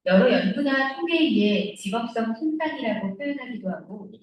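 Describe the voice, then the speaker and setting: A woman's voice: fairly high pitch, animated, moderate pace. A woman reading scripted educational narration in a formal explanatory style. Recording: very echoey playback, distant mic.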